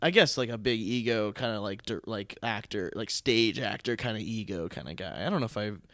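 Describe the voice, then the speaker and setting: A man's voice: on the low side, fairly quick, a bit bright, no echo. A man hosting a casual podcast interview in a bantering, teasing manner. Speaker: podcast host, theatre producer.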